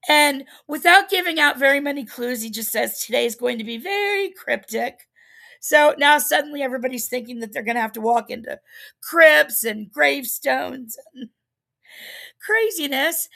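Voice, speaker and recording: A woman's voice: high voice, creaky, fairly bright tone. A woman hosting a livestream, casually recapping a reality show in a chatty, rambling way with lots of fillers. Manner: chatty, rambling, laughs at herself, many fillers.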